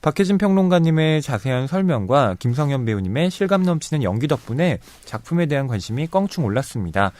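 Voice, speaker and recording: A man's voice: fairly high pitch, sing-song, fast talker, hardly any pauses, a little mellow. A man who is a literary critic, co-hosting a casual book podcast and reading out listener comments.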